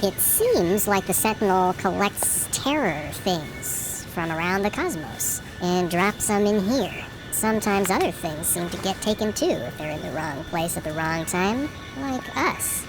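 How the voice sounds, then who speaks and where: A woman's voice: lowish voice, expressive, measured pace, few pauses, music in the background, low-quality recording. A woman playing a practical, wry castaway in an audio drama, explaining things casually. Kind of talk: audio drama character dialogue.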